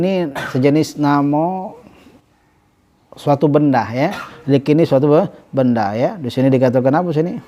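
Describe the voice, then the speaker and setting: A man teaching a religious study class, reading Arabic phrases slowly, then explaining them with many halting self-corrections and a repeated "ya". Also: a little high, darkish tone. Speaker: ustadz teaching a kitab class. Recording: dull lo-fi recording.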